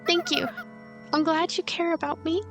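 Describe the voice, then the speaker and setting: Playful young ghost girl played by a woman, high and light, cheerfully carefree, visual novel, music under. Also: big pitch swings, normal speed. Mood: bright, carefree. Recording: music behind the voice.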